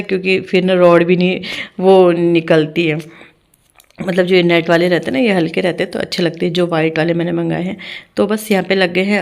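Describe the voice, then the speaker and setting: A young woman, chatting homely and casually as she narrates her own home vlog. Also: lowish voice. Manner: chatty and homely, with frequent fillers and restarts. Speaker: home vlogger.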